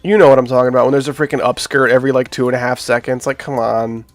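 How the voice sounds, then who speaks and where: A man's voice: mid-range voice, fairly even intonation, fast, dry recording, soft background music. A man with a nasal voice from being sick, chatting casually to his live-stream viewers while he builds a game level. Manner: chatty, talks to chat while working.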